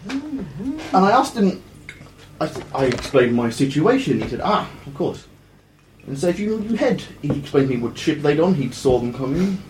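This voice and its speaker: A man improvising a boastful tall tale in character, rambling and halting as he goes. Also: fairly high pitch, very animated, darkish tone. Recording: echoey room with faint noise.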